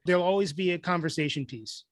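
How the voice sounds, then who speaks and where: A man's voice: high voice, fast talker, no room sound, studio quality. A man with an American accent hosting a casual podcast interview, speaking informally with somewhat hesitant phrasing. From Kentucky, United States.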